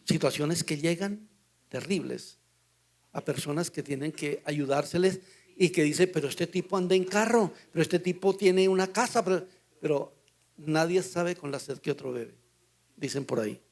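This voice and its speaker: An older man with a Colombian Spanish accent, a pastor teaching a Bible study through lively anecdotes with acted-out dialogue. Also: a little high, moderate pace. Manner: storytelling, acts out dialogue in quotes.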